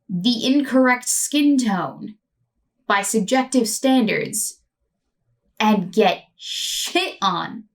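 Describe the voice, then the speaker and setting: A woman's voice: a little high, recorded from a distance. A woman host narrating a scripted commentary video with a sardonic, mocking edge.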